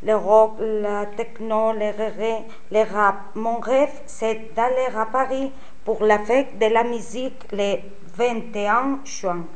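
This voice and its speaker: A woman's voice: a little high, fairly even intonation, slow. A woman student carefully reading a character's part from a language lesson script. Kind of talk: slow careful read-aloud of a lesson script.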